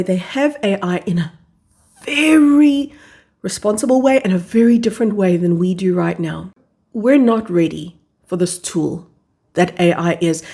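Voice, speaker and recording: Woman spiritual teacher, warm dark tone, earnest off-the-cuff talk with slowed, weighted key lines. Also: medium pitch, slightly rough. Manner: earnest, emphatic, slows down on key phrases. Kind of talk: unscripted spiritual talk to camera.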